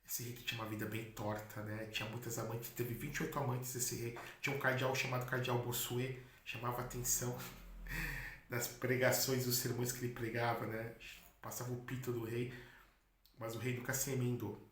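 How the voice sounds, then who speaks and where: A man's voice: mid-range voice, little pitch movement, moderate pace, fairly bright tone. A man, a Catholic priest, preaching a sermon in a chatty storytelling manner with asides. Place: in Spain. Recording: echoey room with faint noise.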